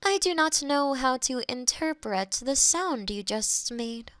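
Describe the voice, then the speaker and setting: A woman's voice: high-pitched, lively intonation, slow, a bit bright, no room sound, exaggerated voice. A woman playing a polite AI girlfriend eager to please, speaking in stilted, precise phrases in an intimate close-miked roleplay. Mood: formal, sympathetic. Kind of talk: scripted intimate roleplay audio. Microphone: close binaural microphone.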